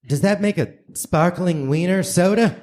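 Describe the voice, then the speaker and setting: A man's voice: high voice, normal speed, darkish tone, voice pushed up, natural voice. A man playing a stilted, mock-earnest straight man in a parody radio commercial. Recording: noisy live stage recording.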